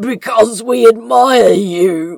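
A put-on character voice, gravelly and fairly high in pitch, carries the lines. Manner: pleading, cowardly.

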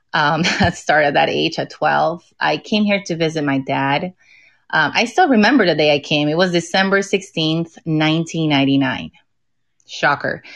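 A woman's very deep, low voice in a Mexican accent, at a moderate pace with ordinary pitch variation, over a quiet background. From Mexico, Oaxaca. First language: Spanish. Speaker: PE teacher and runner. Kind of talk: interview. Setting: online audio platform.

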